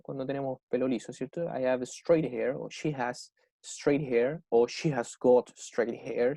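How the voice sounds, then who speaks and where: A young adult man with a Chilean Spanish accent, teaching an English class online. He keeps checking in with his students and slows right down to model English phrases. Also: medium pitch, dark tone, dry recording. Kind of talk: online class explaining vocabulary.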